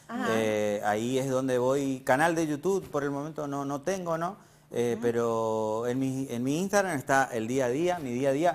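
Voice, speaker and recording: The man's pitch is medium and varies in an ordinary way. He talks fairly slowly. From Argentina, Corrientes and Misiones; Argentina. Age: 30s. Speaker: motorcycle traveler; interview guest. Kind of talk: interview. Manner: halting. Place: studio.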